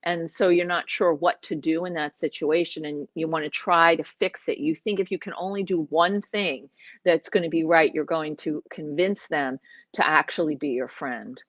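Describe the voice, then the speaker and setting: Middle-aged woman hosting a webinar, conversational and a bit halting, low-pitched, flat lo-fi dry audio. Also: dry recording. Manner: conversational, halting with fillers and restarts, reading questions from chat. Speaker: clinical psychologist hosting a webinar. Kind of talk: casual webinar talk.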